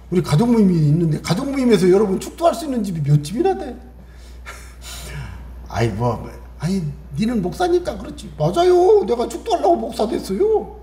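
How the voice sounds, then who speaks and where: In a roomy-sounding recording, a middle-aged male preacher with a slightly high voice gives a spirited Sunday message. He puts questions to his listeners and acts out the people in his anecdotes.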